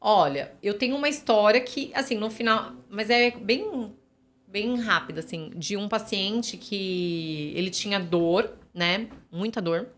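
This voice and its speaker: A woman talks as a guest on a podcast. She is a physiotherapist, and she tells long stories in a loose, chatty way, full of fillers and little tag questions. Her pitch sits in the middle range. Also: fairly bright tone. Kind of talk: casual podcast conversation.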